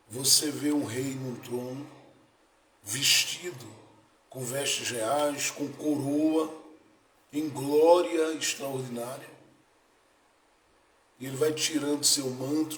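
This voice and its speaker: A man preaching a sermon as pastor, building to emphatic peaks and then dropping soft. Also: medium pitch, unhurried, a little hiss or hum. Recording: echoey room, faint ambience.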